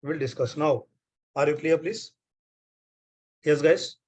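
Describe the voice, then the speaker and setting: A man's voice: fairly high pitch, steady tone, slow pace, a little mellow, husky. A man with an Indian accent teaching an online class, repeating phrases and checking on his students. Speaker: trainer.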